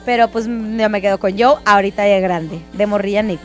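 A woman's voice: medium pitch, a little fast, faint music behind. A woman with a Mexican accent co-hosting a casual, chatty celebrity gossip show. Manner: chatty, animated, giggly. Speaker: show co-host.

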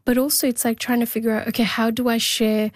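A woman guest answering interview questions in a quick, animated way with many fillers. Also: a little high, no room sound.

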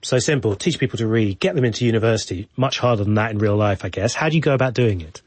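A man presenting news on the radio from a studio, measured and courteous as he interviews guests. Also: lowish voice, animated, slightly rough, no room sound.

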